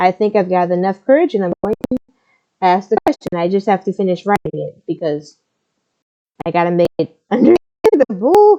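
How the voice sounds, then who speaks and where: A woman at a fairly quick pace with long, frequent pauses, medium pitch, ordinary pitch variation, and a dry, close sound with no echo. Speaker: gaming streamer. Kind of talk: casual live-stream chat. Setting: live stream while gaming. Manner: anime-style speech, pitch varies with interest; rambling, halting, self-interrupting.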